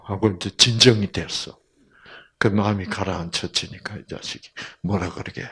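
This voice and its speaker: A man with a low, breathy voice tells Bible stories in a lecture to a live audience, speaking slowly but with animation. He poses questions to the listeners, plays the characters in his tale, and often sinks into a whisper.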